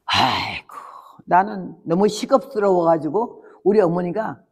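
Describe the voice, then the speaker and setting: A woman's voice: on the high side, animated, normal speed, darkish tone. An older woman missionary telling her testimony as a sermon, with vivid, dramatic storytelling. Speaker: missionary preacher. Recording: long hall reverb.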